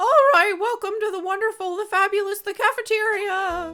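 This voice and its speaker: Faint music plays in the background as a woman, in a put-on character voice with an extremely high pitch, speaks at a moderate pace. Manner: overly cheerful, exaggerated.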